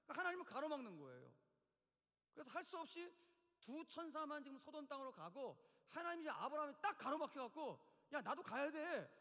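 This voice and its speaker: A male pastor preaching a sermon in a church, telling the story in an animated way and acting out the quotes. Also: very high voice, fast talker. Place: church sanctuary. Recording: long church hall reverb.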